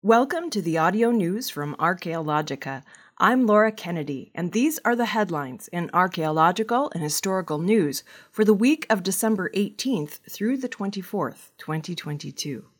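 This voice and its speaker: A woman reading a scripted archaeology news bulletin with a measured, even delivery. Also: lowish voice. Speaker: news reader.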